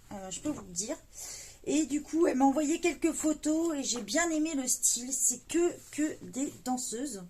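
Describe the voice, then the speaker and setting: Slight background noise sits behind a woman whose high voice has a darkish tone. She's a coloring book haul vlogger, casually unboxing a parcel of coloring books with lots of fillers and delighted exclamations.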